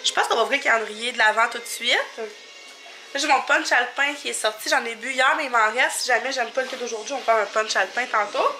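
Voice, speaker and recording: A woman's voice: fairly high pitch, brisk, pushed and bright, soft background music. A woman in her thirties with a Québécois French accent, chatting casually in a rambling home vlog, a little sniffly from a stuffy nose. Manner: chatty, rambling, many fillers and little laughs. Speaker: family vlogger. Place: home kitchen, indoors.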